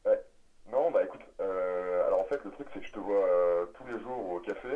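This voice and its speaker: Un homme au téléphone pour un canular, au débit hésitant et un peu récité. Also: male voice, low-pitched, moderate pace, natural voice. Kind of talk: prank phone call recording. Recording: dull lo-fi audio.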